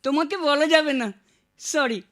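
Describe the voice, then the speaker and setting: A woman's voice: high-pitched, a little slow, a bit bright. A woman voicing a small, earnest little boy in a cartoon, put-upon and plaintive, polite but stubborn. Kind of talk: Bengali cartoon character dialogue.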